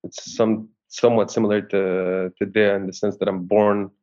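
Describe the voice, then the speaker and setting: A Syrian actor gives an interview in a lowish, darkish voice with a level tone and normal speed. He speaks hesitantly and restarts often, and the sound is muffled and lo-fi.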